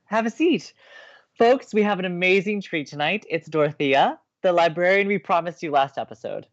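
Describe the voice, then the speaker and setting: A woman playing an earnest, excitable young college radio co-host and romantic, in a scripted audio drama. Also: on the low side, moderate pace, dull audio. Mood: upbeat.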